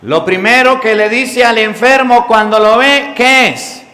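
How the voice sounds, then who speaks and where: A man's voice: very high-pitched, measured pace, pushed and bright. A man preaching a sermon as a priest, asking his congregation questions. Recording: echoey hall with long reverb.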